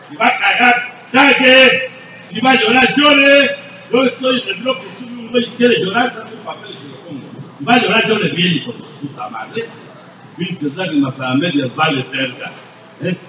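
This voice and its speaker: A high-voiced older man with a Mexican accent speaks bluntly and profanely to a recovery group, swinging between low murmurs and shouts. He is heard from a distance in a roomy, echoing space. The recording is dull and noisy. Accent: Mexican Spanish. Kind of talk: blunt, profane confessional testimony. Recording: distant, echoey, dull-sounding room recording with noise.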